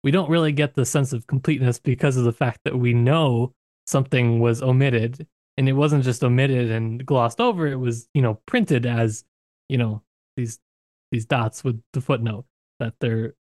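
A man co-hosts a book discussion podcast, talking thoughtfully and searchingly and often restarting his sentences. His medium-pitched voice is a little mellow and moves at normal speed. The recording is dry and studio quality.

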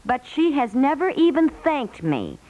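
An actress playing a harried housewife who keeps the peace but is fed up with in-laws, in a 1950s radio comedy with vintage broadcast sound. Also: female voice, sits high, wildly swooping pitch, unhurried, phone-quality sound, full character voice. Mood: indignant.

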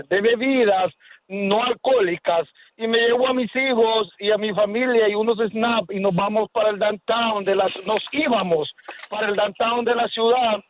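Middle-aged male caller, high-pitched, stumbling, full of fillers; muffled phone line with faint hiss. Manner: halting, many fillers and restarts. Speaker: radio caller. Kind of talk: casual call-in opinion.

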